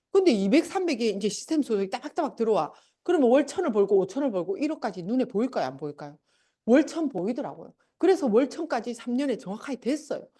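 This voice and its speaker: A woman's voice: fairly high pitch, dark tone. A middle-aged woman, giving a motivational sales seminar talk and telling stories animatedly, acting out her family members. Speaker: seminar speaker.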